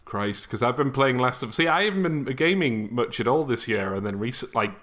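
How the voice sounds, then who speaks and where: A man talks casually as a podcast host. His voice sits at a middling pitch, and his delivery is wry and self-deprecating. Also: animated, fairly quick, fairly bright tone. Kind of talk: casual chat.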